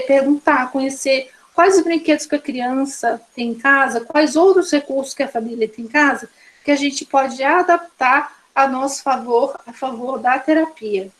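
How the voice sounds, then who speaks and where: Brazilian woman instructor, high bright voice, steady lecturing pace, rattles off examples in lists. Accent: Brazilian Portuguese. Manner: explains by listing examples one after another. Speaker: course instructor. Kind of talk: online course lecture.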